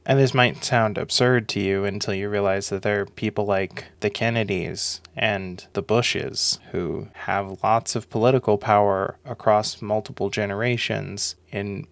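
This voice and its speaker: A man's voice: lowish voice, vocal fry, dry recording. A young man with a sore throat giving a dry, sarcastic commentary monologue, swearing now and then. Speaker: video essay host.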